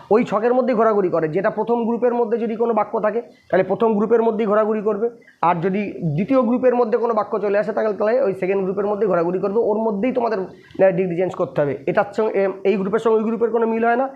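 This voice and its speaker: A man with a Bengali accent teaching English grammar, repeating points and asking his students rhetorical questions. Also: sits high. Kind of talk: explaining lesson to students. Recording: dull lo-fi recording.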